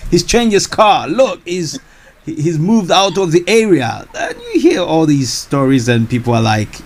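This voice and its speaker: A man hosting a radio property show, interviewing a guest with enthusiastic repeated exclamations and halting restarts. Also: medium pitch.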